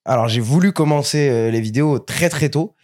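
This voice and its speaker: A man's voice: medium pitch, fairly quick, no echo. Brief: French man in his twenties, chatty guest, tight dry mic, mid-range voice. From France. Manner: animated storyteller, repeats words as he restarts. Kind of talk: casual interview chat.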